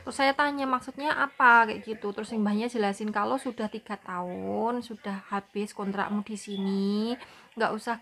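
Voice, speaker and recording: A woman's voice: medium pitch, fairly bright tone. A young Indonesian woman with a Javanese accent, chatting casually to her viewers about looking after an elderly person at home. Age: young adult. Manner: chatty, explaining, often says "gitu". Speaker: vlogger, caregiver for an elderly person. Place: home in a city. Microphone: phone.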